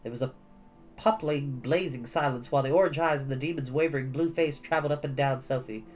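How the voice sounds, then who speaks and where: A man reading a storybook aloud as an expressive narrator. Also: medium pitch, quick pace, highs cut off, soft background music. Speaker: storytime reader.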